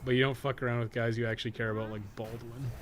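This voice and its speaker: A man's voice: medium pitch, level tone, very fast, background noise. A man giving casual, rambling live commentary as he games, thinking aloud and swearing freely. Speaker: gaming streamer and podcast co-host.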